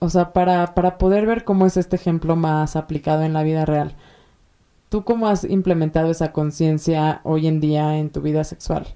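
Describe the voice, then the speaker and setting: With a Mexican accent, a woman speaks at a moderate pace in a fairly low, dark, mellow voice with fairly even intonation. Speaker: podcast co-host. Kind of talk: casual chat.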